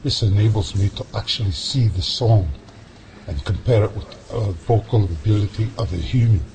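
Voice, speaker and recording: Noisy recording, guy doing low scottish audio expert in a radio play, folksy, easygoing, patient. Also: normal speed, natural voice. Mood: genial. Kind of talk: amateur radio drama acting.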